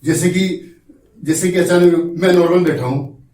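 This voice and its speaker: Higher-voiced acting teacher, echoey room. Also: male voice, a little mellow. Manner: explains slowly, coaxing students, acts out examples. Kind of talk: acting class instruction. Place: acting class room, indoors. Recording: roomy echo from far off, faint noise.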